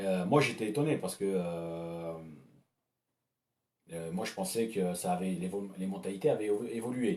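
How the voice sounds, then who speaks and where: With audible room echo, a man with a very deep, low pitch and ordinary pitch variation speaks at a fairly slow pace with long, frequent pauses. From North Africa, Algeria. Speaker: YouTuber. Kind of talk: livestream monologue. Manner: halting.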